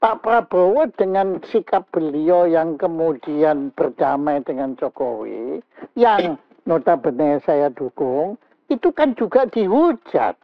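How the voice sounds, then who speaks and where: A man's voice: on the high side, animated, slow pace, vocal fry. A man hosting a talk show, teasing his guest and laughing easily. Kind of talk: casual talk show conversation. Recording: dry, dull sound.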